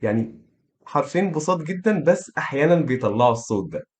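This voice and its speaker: A man with an Egyptian Arabic accent teaching pronunciation, encouraging his students and slowly demonstrating vowel sounds over and over. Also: fairly high pitch, sing-song, a little mellow. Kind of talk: online pronunciation lesson.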